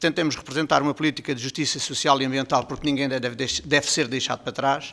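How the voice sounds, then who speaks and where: Talking at a very fast pace with hardly any pauses, a man with a fairly high pitch uses a bright, sharp tone and monotone, flat intonation. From Portugal, Mação (Abobreira). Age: 50s. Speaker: local politician, mayoral candidate. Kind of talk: political debate opening statement. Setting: studio.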